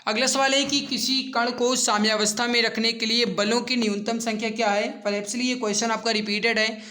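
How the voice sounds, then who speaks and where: A man teaches an exam class in a high-pitched, sharp, bright voice. He works through quiz questions in an instructive way, speaking directly to his students and restating each question and answer. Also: fairly even intonation, moderate pace. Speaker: exam-prep science teacher. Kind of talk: online lesson, working through quiz questions.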